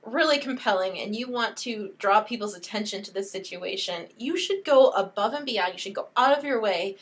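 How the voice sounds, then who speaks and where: A woman's voice: medium pitch, moderate pace. A woman co-hosting a movie podcast, casual in style, emphatic and opinionated as she talks. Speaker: podcast co-host.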